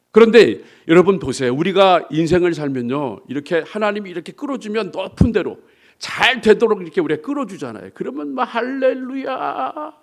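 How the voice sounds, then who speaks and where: A male pastor preaching a sermon, asking the congregation to repeat after him and acting out the complaints of believers. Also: high voice. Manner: acts out complaining believers in quoted voices.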